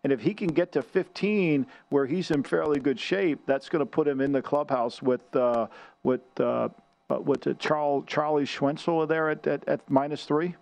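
A man's voice: fairly high pitch, fairly even intonation, creaky, darkish tone. Male host, Boston accent, casual sports talk, stammers and restarts a lot. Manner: halting, repeats words while searching. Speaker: show host. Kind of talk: casual sports radio chat.

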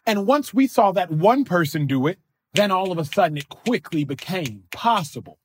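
A man in his thirties, a podcast guest, talking in an energetic, emphatic, slangy way. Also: high-pitched, normal speed, slight background noise. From Nigerian family, raised in the US. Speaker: podcast guest, former football player. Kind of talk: casual interview talk.

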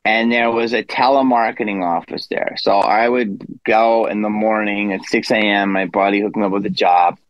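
A man's voice: lowish voice, steady tone, normal speed, few pauses, no room sound, muffled recording. Rambling storyteller, man in his fifties. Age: 50s. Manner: rambling with self-deprecating asides and laughs. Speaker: guest comedian. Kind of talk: casual interview storytelling.

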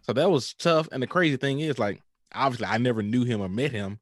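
A man in his thirties with an African American accent, telling stories in an animated, informal way in a casual podcast interview. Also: mid-range voice, quick pace, dry recording, studio quality. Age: 30s. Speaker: pastor and podcaster.

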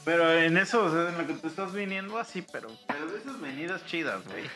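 A man with a Mexican accent telling crude comic stories on a podcast, breaking into falsetto impressions. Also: quick pace, loud music behind the voice. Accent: Mexican Spanish. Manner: animated storyteller, jumps into falsetto impressions. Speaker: podcast co-host. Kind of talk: crude comedic banter.

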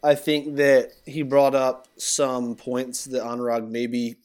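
A man's voice: medium pitch, completely flat delivery, takes it slowly, a little mellow. A man co-hosting a podcast in casual chat, earnestly explaining his arguments. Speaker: podcast co-host.

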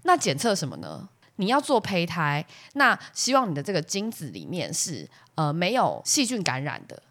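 A woman's voice: on the low side, normal speed. A woman co-hosting a casual chat podcast with a Taiwanese Mandarin accent, telling a story and acting out the people in it, with English words dropped in. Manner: animated, acts out the other people in her stories. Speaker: podcast co-host.

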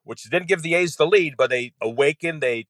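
A man's voice: fairly high pitch, normal speed, a bit bright, dry recording, rough recording. A man, a radio play-by-play announcer appearing as a guest, walking through a game in conversational detail with frequent "you know"s.

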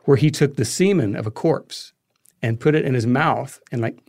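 A man being interviewed as a guest, telling anecdotes conversationally and haltingly as he thinks aloud. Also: mid-range voice, a little mellow, slight background noise.

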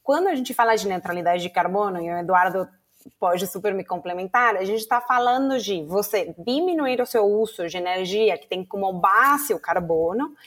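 A woman's voice: medium pitch, normal speed. An Argentine woman with a Spanish accent, a native Spanish speaker, answering interview questions as a guest in a friendly, explanatory way. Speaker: guest, communications executive.

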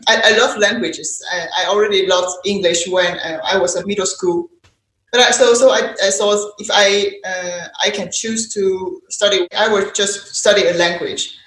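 A woman's voice: mid-range voice, fairly bright tone. Woman in her 30s w chinese accent, mandarin native, chatting as podcast guest, echoey room sound. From China. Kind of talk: conversational personal storytelling.

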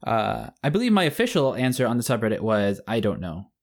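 A young man co-hosting a podcast in easy conversation, his voice a bit high and friendly. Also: huge pitch swings, a little fast. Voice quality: fairly high-pitched voice. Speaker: podcast co-host. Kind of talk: casual chat.

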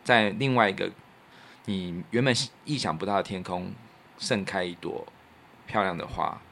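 Male podcast host, Taiwanese Mandarin accent, lowish pitch, earnest casual storyteller, some background noise. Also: normal speed, gravelly, fairly bright tone. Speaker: musician. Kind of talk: casual reflective chat.

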